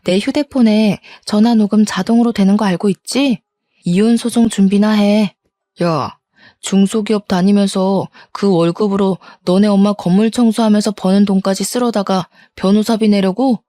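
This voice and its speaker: A mocking young husband, a mama's boy, from a narrated story, voiced by a woman. The sound is dry and close, and the tone is mellow. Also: mid-range voice, fairly even intonation, normal speed, no echo, natural voice. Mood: sneering.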